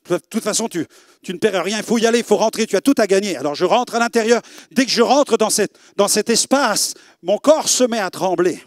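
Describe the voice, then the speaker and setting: Male preacher, middle-aged, vivid sermon storyteller, high voice. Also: no echo, studio quality. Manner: dramatic storytelling, acting out dialogue. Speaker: preacher giving a testimony. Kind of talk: sermon testimony. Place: church.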